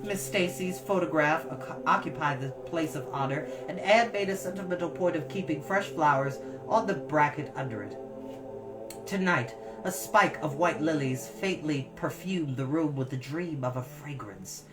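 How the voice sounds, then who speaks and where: A woman reading a classic novel aloud as a storyteller, expressive and lingering over phrases. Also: sits low, normal speed. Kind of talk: scripted narration, storybook reading. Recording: distant mic with music behind. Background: music.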